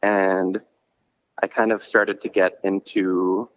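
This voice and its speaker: Low-voiced man on a muffled phone line. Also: flat delivery, takes it slowly. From Minnesota, US. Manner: rambling, with frequent restarts and "like" fillers. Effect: heard over a phone line. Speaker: podcast host and concert promoter, guest. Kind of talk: casual chat, relaxed storytelling. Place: coffee shop.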